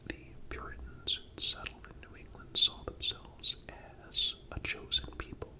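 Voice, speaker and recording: A person whispering a scripted historical narration in a calm, deliberate ASMR style, breathy and broken by frequent pauses. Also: very high-pitched, low-quality recording. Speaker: host and narrator.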